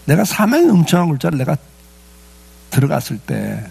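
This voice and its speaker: A male pastor delivers a sermon in a gravelly, husky voice. His pitch rises and falls with lively swings as he talks, and he keeps it conversational, asking his listeners questions and answering them himself. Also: a little fast. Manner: conversational preaching with rhetorical questions and frequent "예".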